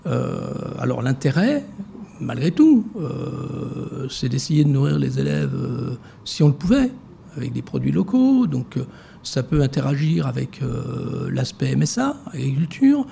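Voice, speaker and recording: A man answers interview questions in a gravelly, dark-toned voice, pausing often on fillers and restarting his sentences. He speaks as the director of a social security fund. Faint noise sits under the recording. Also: mid-range voice, big pitch swings. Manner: hesitant, many fillers and restarts.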